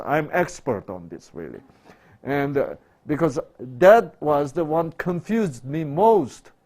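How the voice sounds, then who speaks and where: A male pastor preaches a sermon slowly with very lively pitch, quizzing the congregation. He poses rhetorical questions and answers them himself, swinging between loud, emphatic bursts and quiet, low asides.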